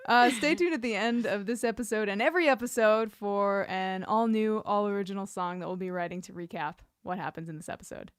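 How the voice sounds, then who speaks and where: A woman co-hosts a podcast in an easy, chatty way. Her voice sits at an average pitch, and she slips in dry, playful deadpan jokes. The recording is close and free of room sound. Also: fairly quick, hardly any pauses, clean tone, dry recording. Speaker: podcast co-host. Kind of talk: casual banter about a TV show.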